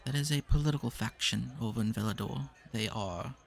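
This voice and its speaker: A man narrating lore as game master of a tabletop game, explaining history in a measured way. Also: mid-range voice, creaky.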